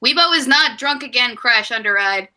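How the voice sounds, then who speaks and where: A woman's voice: on the high side, moderate pace, pushed and bright. A woman in her twenties hosting a casual live stream, rambling and laughing at herself. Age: 20s. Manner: giggly, rambling, self-mocking. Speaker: stream host.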